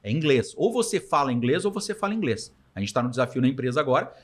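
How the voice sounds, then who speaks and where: A man's voice: mid-range voice, sing-song, quick pace. A man with a southern Brazilian accent chatting casually as a podcast guest, slangy and anecdotal, acting out bits of imagined dialogue. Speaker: podcast guest, startup founder. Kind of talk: casual interview talk.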